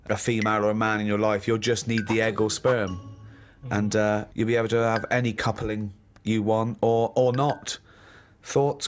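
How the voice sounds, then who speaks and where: A man's voice: on the low side, a little hiss or hum. A man hosting a radio show, bantering casually and teasing with probing questions. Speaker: radio host.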